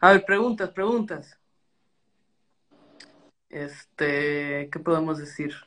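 A woman's voice: sits low, takes it slowly. A woman in her thirties chatting casually on a phone live stream, reading out comments with loose, hesitant phrasing and switching between Spanish and English. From half Argentinian. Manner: relaxed, hesitant, many fillers, mixing Spanish and English. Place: small room indoors. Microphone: phone front camera, close.

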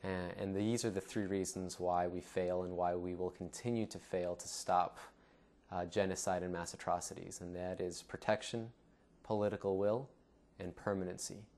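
A young man from Ecuador telling his family's story and his own to camera in a studio, earnest and steady with some fillers. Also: sits low, normal speed. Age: young adult. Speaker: founder of an anti-genocide network. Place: studio with dark backdrop.

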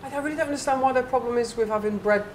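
A man's voice: very high-pitched, rapid-fire, a little hiss or hum. A man in his thirties hosting a casual chat in a restaurant, reading reviews aloud with dramatic emphasis. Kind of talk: casual interview. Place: restaurant dining room. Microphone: lapel mic.

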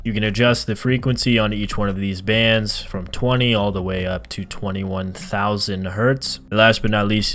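A man narrating a software tutorial as host, explaining step by step and addressing viewers directly. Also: lowish voice. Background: background music.

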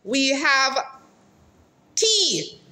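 A woman vlogger interviewing restaurant staff in a casual, teasing way, asking lively questions. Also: high voice, extremely slow. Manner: chatty, teasing, animated questions. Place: restaurant seating area, indoors.

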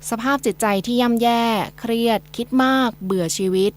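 A woman's voice: fairly high pitch, steady tone, normal speed. A woman reading scripted news as a radio newsreader.

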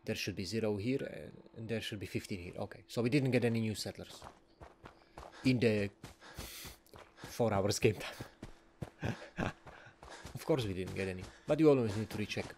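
A man's voice: fairly low pitch, normal speed, pauses often, a little mellow, a little hiss or hum. A man giving casual, rambling commentary while playing a video game, often chuckling. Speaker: let's play gamer.

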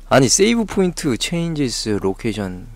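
A male game streamer giving frantic live commentary on a horror game, jumpy and swearing at the scares. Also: medium pitch.

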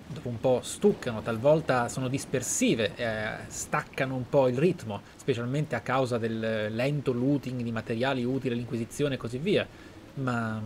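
An Italian man hosts a video game playthrough, reading and commenting in a theatrical, formally phrased style. His voice is mid-range, with slight background noise.

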